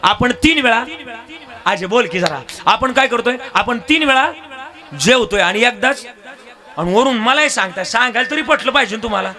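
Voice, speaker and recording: A man's voice: very high-pitched, animated, normal speed, pushed and bright. A man preaching a devotional kirtan at a village gathering, using rhetorical questions, drawing the crowd into call-and-response, and breaking into song, heard over a microphone. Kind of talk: devotional kirtan sermon with singing. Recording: live music accompaniment.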